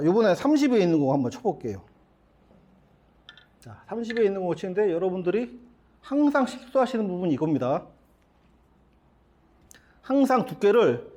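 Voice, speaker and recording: A man's voice: high voice, a little mellow. A middle-aged man teaching billiards at the table, explaining each shot step by step and asking his students questions as he goes. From South Korea. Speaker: billiards instructor. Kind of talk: demonstration lesson.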